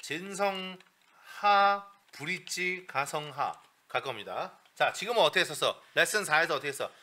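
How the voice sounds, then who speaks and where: A male vocal coach giving a lesson in a blunt, bossy, joking way with coarse slang, breaking into breathy falsetto demonstrations. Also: expressive, moderate pace, bright, forceful tone.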